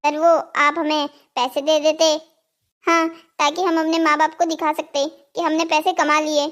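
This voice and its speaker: Very high, earnest young boy voiced by a woman. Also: little pitch movement, a little slow, a bit bright. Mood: remorseful, earnest. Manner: polite, earnest. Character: naive, dutiful, remorseful young boy. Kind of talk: scripted cartoon story dialogue.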